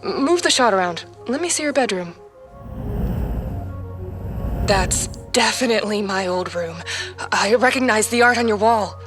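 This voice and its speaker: A woman's voice: mid-range voice, expressive, normal speed, natural voice. A woman playing a weary, defeated single mother in her thirties in an audio drama, resigned, hesitant and defensive. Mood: wary. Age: 30s. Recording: music under the voice.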